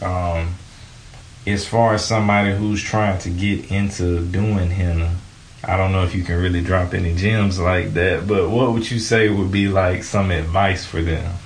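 A man hosts a casual interview and asks loose, rambling questions. His voice is very low with a gravelly edge. The room is echoey, with faint noise behind him. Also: steady tone, a little slow. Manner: laid-back, filler-heavy questions.

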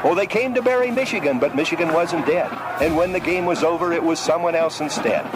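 A man's voice: a little high, brisk, noisy background. A man reciting a rhythmic, solemn poem, heard as an archival clip.

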